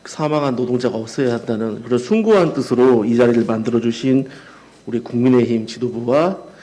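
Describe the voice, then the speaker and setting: A man's voice: mid-range voice, warm tone, low-quality recording. A man, a labor union official, giving a formal seminar presentation with earnest, plainspoken personal asides. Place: seminar hall.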